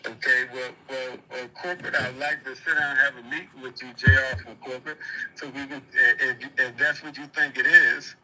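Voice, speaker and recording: Sharp-voiced man on a noisy phone call. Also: medium pitch, flat delivery. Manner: measured, questioning, polite. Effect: telephone. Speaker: prank call recipient, market manager. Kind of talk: guarded phone conversation.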